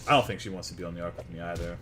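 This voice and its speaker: A man's voice: deep voice, fairly even intonation, very fast. A man from Texas, chatting crudely and jokingly with viewers while streaming a video game. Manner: brash, profane, joking with chat. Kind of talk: casual live gaming stream chatter.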